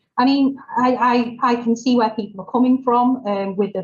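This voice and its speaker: A woman's somewhat breathy voice in a northern English accent, at a moderate pace with fairly even intonation. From northern England. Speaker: teacher and author. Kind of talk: podcast interview. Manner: hesitant, many fillers.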